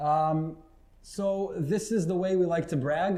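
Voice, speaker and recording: With an American accent, a man speaks in a high pitch using ordinary pitch variation. Audible room echo surrounds his voice. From Israel. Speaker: marketing executive. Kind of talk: conference talk. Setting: stage with audience. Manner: hesitant with fillers.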